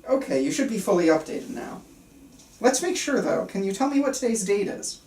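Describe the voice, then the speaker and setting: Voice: mid-range voice, very animated, brisk, darkish tone, lightly acted. Someone reading a chirpy, patronizing psychiatrist in a roomy space. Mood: patronizing, reassuring. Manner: breezy, reassuring bedside talk. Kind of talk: script table read. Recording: roomy, picked up from far off.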